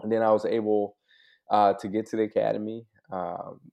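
This is an American man with a very deep voice, heard through somewhat muffled, low-fidelity audio. He talks like an interview guest sharing his own story, casually and candidly. His phrasing is informal, often checking in with the listener as he goes. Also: level tone, moderate pace, creaky, mellow. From United States (born in Hawaii, grew up in California). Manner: informal, open, frequent "right?" and "like" asides. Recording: dull, lo-fi audio.

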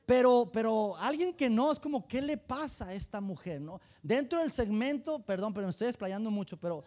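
High-pitched and a little fast, a Mexican-accented pastor delivers a sermon, spinning humorous stories with lots of energy while speaking straight to the people in the pews.

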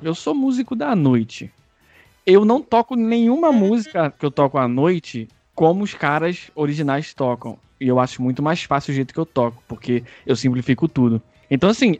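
A man's voice: fairly high pitch, a little mellow, no echo. A man with a Brazilian Portuguese accent chatting casually on a podcast, slangy and emphatic. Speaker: podcast panelist, musician. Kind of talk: casual chat.

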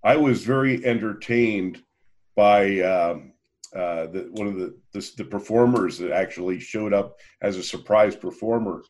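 Low-voiced, halting male interviewer. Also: darkish tone. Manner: halting, hesitant phrasing with repeated words. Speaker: interviewer, host. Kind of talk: conversational interview.

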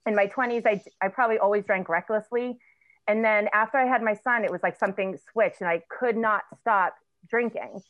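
A woman's voice: medium pitch, brisk, a bit bright. A woman in her thirties tells her story candidly as an interview guest. She halts and restarts often, with plenty of fillers. Her voice comes through a thin, phone-like line with no room echo. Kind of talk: emotional personal storytelling in an interview. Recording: tinny phone-like line, dry.

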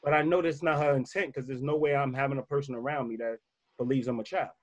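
A man with a slightly bassy voice who co-hosts a casual advice talk and drives his points home by repeating them. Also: fairly even intonation, quick pace. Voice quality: a little bassy voice. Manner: emphatic, repeats key points.

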